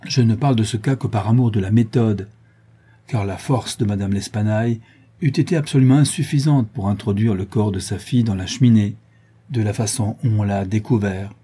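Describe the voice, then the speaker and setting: A man reading an audiobook, voicing a young gentleman detective who lays out his reasoning in a calm, measured, lecturing way. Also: lowish voice, slightly rough. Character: young male gentleman detective, cool and methodical.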